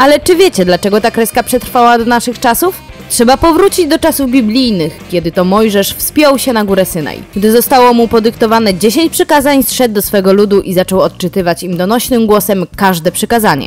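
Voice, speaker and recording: With music playing in the background, a woman talks at a fairly quick pace with hardly any pauses, her fairly high voice carrying lively intonation. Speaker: voice-over narrator. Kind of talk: joke reading for a video compilation.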